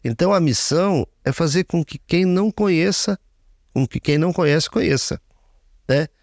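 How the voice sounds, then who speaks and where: A man's voice: on the high side, moderate pace, dry recording, clean studio sound. A man in his fifties, a radio broadcaster, giving an earnest interview testimony and speaking often of his faith. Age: 50s.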